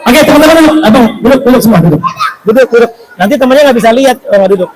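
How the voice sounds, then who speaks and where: A man's voice: very high-pitched, animated, rapid-fire, roomy sound. A man entertaining children at a mosque event, playful and coaxing, running a puppet act. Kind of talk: lively show for children. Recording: noisy live event sound.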